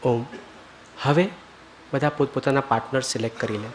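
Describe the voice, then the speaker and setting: A man leading a retreat group through a forgiveness ritual, mixing English phrases into his talk, checking again and again that everyone is clear, and going soft and low when he leads prayer. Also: steady tone, normal speed, a little hiss or hum. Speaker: spiritual teacher leading a retreat.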